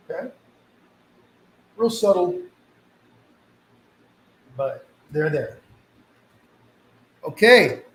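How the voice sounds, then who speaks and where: A painting instructor leads a casual live session in a fairly high, fairly bright voice, sniffling slightly from a mild cold. He guides viewers in a relaxed, reassuring manner. The audio is quite roomy, with a little background noise.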